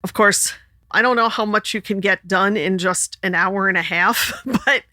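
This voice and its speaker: A podcast co-host chats casually and laughs often, speaking at a moderate pace with a sharp tone; she sings alto and high tenor. The studio sound is clean, with no room sound.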